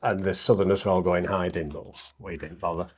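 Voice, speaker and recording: A man's voice: low-pitched, steady tone, fairly quick, sharp tone, breathy edge. A middle-aged man with a northern English accent, speaking casually as an interview guest in a self-deprecating way. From northern England. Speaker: interview guest, poet and comedian. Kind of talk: casual interview chat with poetry recital.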